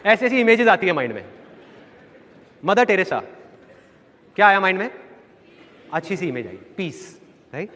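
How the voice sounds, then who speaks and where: High-voiced man lecturing a hall. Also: normal speed, long pauses, a faint crowd. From India. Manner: lively storytelling with acted voices. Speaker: motivational speaker. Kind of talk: live seminar talk. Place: large hall with an audience. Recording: echoey hall with audience.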